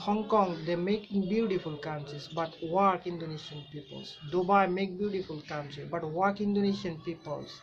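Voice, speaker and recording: A woman talks with a Bengali accent and hardly any pauses. Light background noise can be heard. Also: fairly low pitch for a woman, moderate pace. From Bangladesh. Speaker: YouTube reaction vlogger. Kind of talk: video reaction commentary. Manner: animated.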